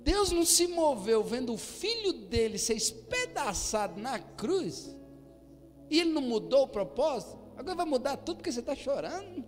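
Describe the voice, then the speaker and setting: A man preaches to his congregation in an unusually high voice, sometimes driving his points home with a shout. His words ring out with a long reverb through a church hall, and soft music plays faintly behind him. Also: very animated, moderate pace. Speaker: pastor. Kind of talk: sermon.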